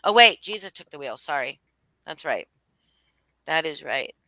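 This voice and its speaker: A woman's voice: low voice, lively intonation, normal speed, pushed and bright, no echo. A woman hosting a casual chat, talking bluntly and animatedly with plenty of swearing. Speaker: host.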